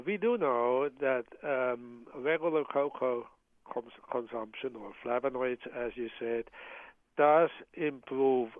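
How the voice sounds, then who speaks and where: Interview guest: a man from Switzerland, measured and halting, on a tinny dry phone line. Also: medium pitch, no room sound. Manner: measured, hesitant with frequent uh fillers and restarts. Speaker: guest, professor of medicine.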